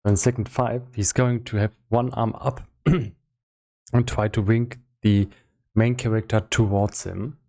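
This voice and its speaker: A man giving casual live-stream commentary as he works on a game, thinking aloud in a halting way with repeated words. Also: on the low side, fairly even intonation, creaky, mellow. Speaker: solo game developer streaming.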